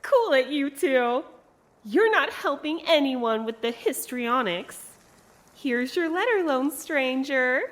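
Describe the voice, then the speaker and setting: A woman's voice: high-pitched, animated, slow pace, a bit bright, heavily acted. A woman playing a sly cult acolyte in an audio drama, theatrical and condescending with a mock-sweet manner. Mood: dismissive. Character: sly, syrupy female cult acolyte, falsely devoted.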